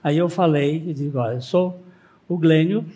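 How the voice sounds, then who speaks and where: A man's voice: fairly high pitch, moderate pace, warm tone. A man preaching a sermon in a church, mixing rhetorical questions with anecdotes told with dry humor. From Northeast Brazil. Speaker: pastor. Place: church sanctuary.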